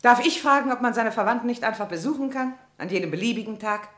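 An actress playing a haughty, evasive widowed aunt under questioning in a radio crime play, curt and indignant. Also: female voice, a little high, quick pace, a bit bright, lightly acted.

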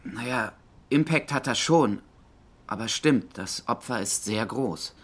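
A man's voice: medium pitch, expressive, a little slow. A man playing a defensive, idealistic environmental activist under questioning in a crime radio drama, evasive and easily indignant. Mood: hesitant, conflicted. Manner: evasive, indignant, hesitant when pressed.

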